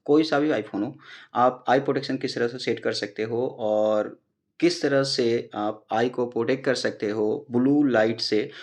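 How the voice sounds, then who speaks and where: A man's voice: medium pitch, measured pace. A young man hosting a casual phone tutorial, explaining each setting step by step with conversational fillers. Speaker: tech tutorial host.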